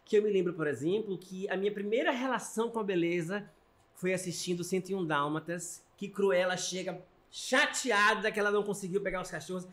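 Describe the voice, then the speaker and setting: Animated man telling stories. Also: high-pitched, brisk. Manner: animated storyteller, theatrical. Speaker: podcast host. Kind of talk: casual chat.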